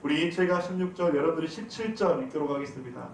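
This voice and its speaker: A man with a high voice preaches in a church sanctuary and keeps putting questions to the congregation. The mic sits well back from him, so his words ring around the hall. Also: quick pace, a little hiss or hum. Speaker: pastor. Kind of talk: sermon. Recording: very echoey hall, from a distance.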